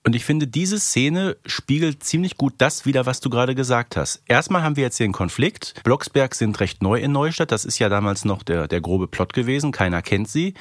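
A man co-hosts a podcast in a casual, conversational style of analysis. His pitch is average for a man and the recording is dry and close. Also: expressive, fairly quick, few pauses, no echo. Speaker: podcast co-host.

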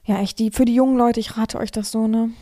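Hoarse woman podcast host, fairly high but warm, mellow voice, frank and direct, reads a letter aloud. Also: fairly even intonation, fast talker. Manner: frank, advising listeners directly. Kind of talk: casual podcast monologue, reading a listener's letter aloud.

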